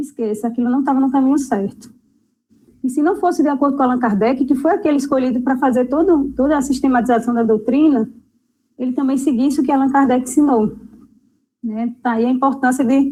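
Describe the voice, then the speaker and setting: Her voice is high-pitched for a woman. The intonation stays fairly even. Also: fairly quick pace. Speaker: spiritist study leader. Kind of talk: religious study group talk. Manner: fast.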